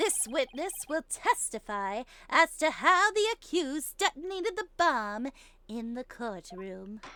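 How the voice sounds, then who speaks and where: A woman puts on a character voice, pitched high with very wide pitch swings. She goes at a fairly slow pace in a dry, close sound with no echo. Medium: fan dub. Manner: pompous, theatrical.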